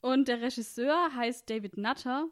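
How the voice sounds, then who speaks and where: A woman's voice: on the high side, moderate pace. A woman co-hosting a casual podcast about a TV series, chatty, with frequent fillers and laughs. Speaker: podcast co-host.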